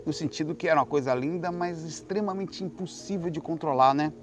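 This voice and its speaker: Animated Brazilian man telling a story. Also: on the high side, a little fast, background noise. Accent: Brazilian Portuguese. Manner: swears freely, rambling with restarts; animated, swinging between hushed and loud. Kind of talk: casual storytelling monologue.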